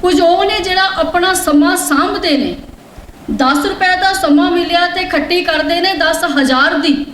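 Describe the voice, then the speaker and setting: A woman with a very high voice lectures a hall full of students. She fires questions at them and pushes them to answer louder. The sound is echoey, with a faint room hum. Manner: quizzes the audience and urges them to answer louder. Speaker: guest speaker addressing students. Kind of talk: lecture with call-and-response. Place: large hall at a religious college.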